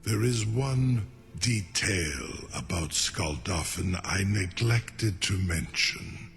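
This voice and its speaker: Huge old dragon from a fantasy game, super low and gravelly, proud and imperious. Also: male voice, lively intonation, a bit bright, long reverb tail, faint music behind, exaggerated voice. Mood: sly, bargaining. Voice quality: deep gravelly voice. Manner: slow, deliberate, formal and imperious. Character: ancient captive male dragon, proud, cunning and grandiose. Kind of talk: fantasy video game acting.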